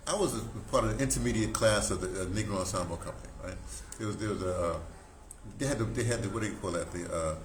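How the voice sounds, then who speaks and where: An audio dramatist in his seventies recounts theater history to camera in informal, rambling storytelling. His voice is on the low side, halting and digressive with emphatic stresses, and the recording has a roomy echo and background noise.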